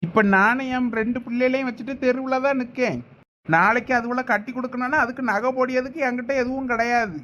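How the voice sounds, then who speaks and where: A man with a Thoothukudi Tamil accent voicing an aggrieved middle-aged brother in a cartoon family drama, arguing loudly and insistently. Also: very high-pitched, a little fast. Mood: angry.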